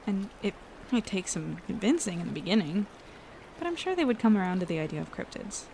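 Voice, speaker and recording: A supportive young woman in an audio drama, with a noticeably creaky, mid-pitched voice. She sounds easygoing and reassuring, speaking naturally over light ambience. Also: sing-song, a little fast, warm tone, a little hiss or hum, low-quality recording.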